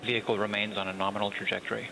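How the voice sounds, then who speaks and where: Casual: mission control guy calling out over faint radio, lots of hiss, fast monotone. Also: lowish voice, creaky. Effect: distant radio loop, faint and noisy. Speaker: mission control launch callout. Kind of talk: clipped flight-control callouts. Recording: distant noisy radio loop.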